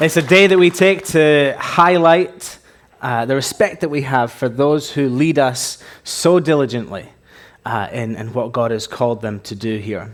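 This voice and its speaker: The speaker has a Scottish accent and lively intonation. The pace is fairly slow. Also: man, fairly high pitch for a man. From Scotland. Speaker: youth pastor. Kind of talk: sermon. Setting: church stage with congregation.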